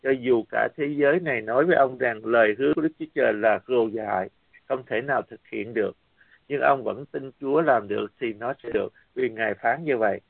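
A man preaches a sermon as a lively story, acting out the dialogue. His voice is gravelly at mid pitch. The sound is dry and tinny, like a phone line. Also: brisk, no room sound.

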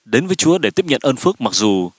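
A man's voice: medium pitch, very animated, breathy edge, dry recording. A man interpreting a sermon line by line, hurrying with fillers and restarts. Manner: hurried, with frequent fillers and restarts.

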